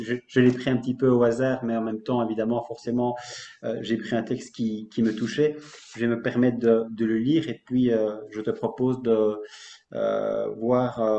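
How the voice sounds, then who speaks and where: A man hosting an interview, asking questions in a measured, thoughtful way and reading poetry aloud. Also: mid-range voice, mellow, roomy sound. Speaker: interviewer and host.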